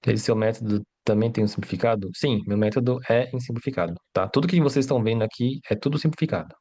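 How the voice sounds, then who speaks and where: A man's voice: mid-range voice, fast talker, dark tone. Brief: male teacher streaming live, medium voice, chatty, keeps checking in with viewers. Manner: chatty, asks "né?" and "tá?" constantly; reads out viewer questions and answers them. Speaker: Mandarin teacher. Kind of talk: casual live-stream lesson.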